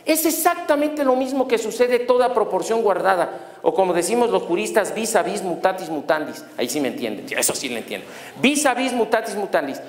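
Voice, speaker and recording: A man's voice: sits high, a little fast. A middle-aged man with a Mexican accent giving a law lecture, telling stories and quizzing his audience with jokes. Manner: animated, jokey, asks the audience questions. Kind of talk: lecture with storytelling. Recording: echoey lecture hall.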